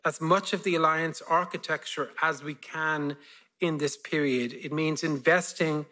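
A man around fifty with an Irish accent, giving a measured policy lecture and then answering questions. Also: fairly high pitch, steady tone, sharp tone. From Ireland. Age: about 50. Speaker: guest speaker, foreign policy expert.

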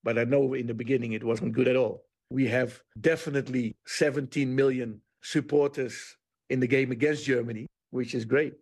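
A man's voice: medium pitch, fairly even intonation, moderate pace, darkish tone, slightly rough. A man, a player's father giving blunt, emphatic, joking interview answers. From Netherlands. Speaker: father of a footballer.

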